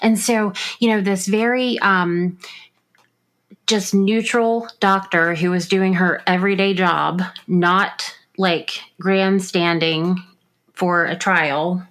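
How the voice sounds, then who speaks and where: A woman's voice: lowish voice, steady tone, takes it slowly, fairly bright tone. Woman arguing a true crime case. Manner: argumentative, explains step by step with frequent fillers. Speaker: podcast co-host. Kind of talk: casual true crime discussion.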